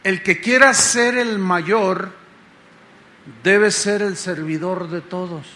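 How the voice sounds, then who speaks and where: Bright-voiced Mexican pastor preaching. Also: male voice, sits high, slow, slight background noise. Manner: conversational preaching, rhetorical questions to the congregation. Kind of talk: sermon. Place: church congress hall.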